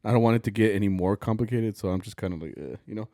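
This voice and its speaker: A man's voice: on the low side, quick pace, mellow, no room sound, studio quality. A young man co-hosting a podcast, chatting easygoing and talkative, rambling with fillers. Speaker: podcast co-host. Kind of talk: casual podcast chat.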